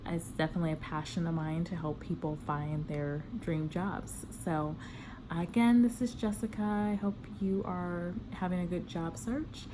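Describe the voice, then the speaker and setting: A woman's voice: on the low side, fairly even intonation, moderate pace, background noise. A woman recruiter talking casually to viewers in a conversational vlog style, offering practical career advice. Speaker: corporate recruiter giving job interview advice.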